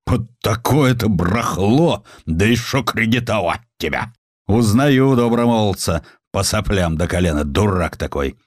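A man's voice: lowish voice, animated, a little slow, dry recording, studio quality. Man acting a scornful, stingy merchant uncle. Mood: angry scorn. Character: furious, stingy merchant uncle, contemptuous and scolding.

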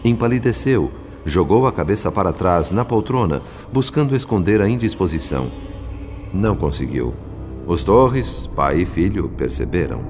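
Compassionate spirit narrator: very low, solemn scripted storytelling over faint music. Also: male voice, expressive, moderate pace, darkish tone. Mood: grave. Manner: solemn, literary. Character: grave, compassionate male spirit narrator recounting his work.

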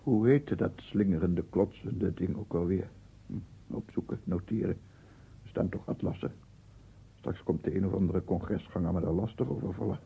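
An actor playing a weary, guilt-ridden writer who mutters to himself in halting, broken phrases in a radio drama. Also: male voice, deep voice, full character voice. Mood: weary, irritated. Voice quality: husky, gravelly. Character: brooding, weary male writer tormented by guilt. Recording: muffled, phone-like archive radio recording.

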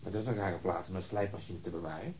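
An actor playing a stern, methodical police investigator in a radio drama, curt and matter-of-fact, with a rough husky voice. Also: male voice, deep voice, quick pace, very noisy, natural voice. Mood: musing, dry. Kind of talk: naturalistic Dutch radio drama acting.

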